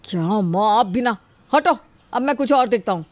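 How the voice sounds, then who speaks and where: A woman voicing a hot-tempered young husband who shouts in irritation. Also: on the high side, lively intonation, moderate pace, faint music behind, natural voice. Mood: annoyed.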